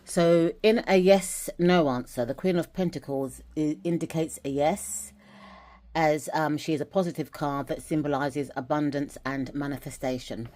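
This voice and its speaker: A woman's voice: low-pitched, fairly even intonation, normal speed, warm tone. A woman from England chatting casually in a vlog as she shows dolls and a journal, rambling a little with restarts. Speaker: vlogger.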